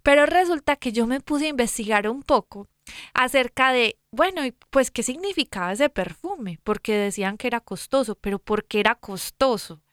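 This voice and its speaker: A woman's voice: fairly high pitch, lively intonation, normal speed, a bit bright, no echo, studio quality. A woman co-hosting a casual faith talk, retelling a Bible story in a chatty, folksy way with lots of "pues" asides. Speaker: Christian talk co-host.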